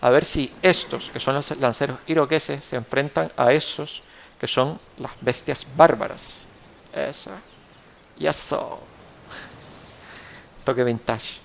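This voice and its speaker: Young canarian guy rambling through a game tutorial, gravelly voice, bit of hiss behind. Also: medium pitch, fairly even intonation, takes it slowly, long pauses. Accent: Canarian Spanish. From Canary Islands, Spain. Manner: rambling, self-correcting, thinking aloud. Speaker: gameplay tutorial host. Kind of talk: casual gameplay commentary.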